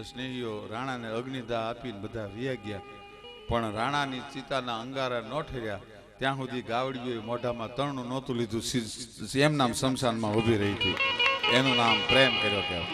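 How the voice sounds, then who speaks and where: A male folk storyteller with a Saurashtra Gujarati accent, performing on a live stage. His delivery is impassioned and climbs toward near-shouted peaks. Clear musical accompaniment plays under his voice throughout. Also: mid-range voice.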